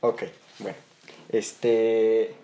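A man with a Mexico City accent hosts a casual podcast chat. He rambles, jokes and loses his thread, then picks it back up. His voice sits fairly low and relaxed. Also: extremely slow. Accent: Mexico City Spanish. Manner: rambling, joking, loses his train of thought. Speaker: podcast host.

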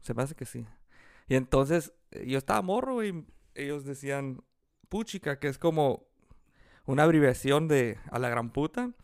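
A man's voice: mid-range voice, expressive, moderate pace, no echo, studio quality. A man from Los Angeles with a Mexican-American accent in Spanish, chatting casually with plenty of slang, swearing and bits of English. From Los Angeles, United States. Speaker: podcast co-host. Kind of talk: casual bantering chat.

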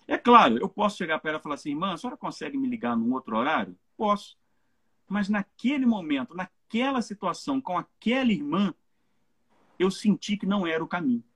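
A man's voice: high voice, big pitch swings, fairly quick, fairly bright tone, slightly rough. A Brazilian man, a pastor, speaking earnestly in a live church talk and often checking in with his listeners. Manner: earnest, keeps checking in with "né?" and "entende?".

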